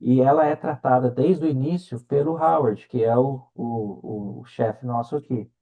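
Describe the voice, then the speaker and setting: Mellow-voiced Brazilian man explaining conversationally. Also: mid-range voice, steady tone, moderate pace, rough recording. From Minas Gerais, Brazil. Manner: explanatory, anecdotal, frequent check-in tags. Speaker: medical researcher, interview guest. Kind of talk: conversational interview storytelling.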